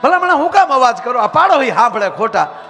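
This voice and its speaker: A man voicing a flustered village wife who loudly pleads with her husband. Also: very high-pitched, takes it slowly, long reverb tail, faint music behind, pitched above the performer's own voice, full character voice. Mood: pleading. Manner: pleading, loud and fretful.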